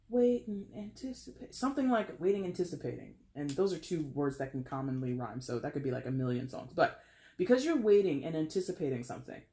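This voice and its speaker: Chatty woman with a deep voice. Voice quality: fairly deep voice. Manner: chatty and animated, trailing off mid-phrase. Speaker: tarot reader. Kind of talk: casual tarot reading monologue.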